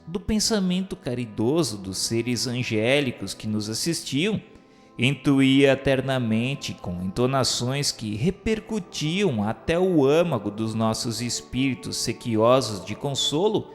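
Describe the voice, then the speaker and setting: Brazilian man, religious radio drama narrator, solemn and declamatory, lively swooping intonation, measured slow pace, soft music behind. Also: mid-range voice. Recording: long reverberant hall sound, music behind. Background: soft instrumental music.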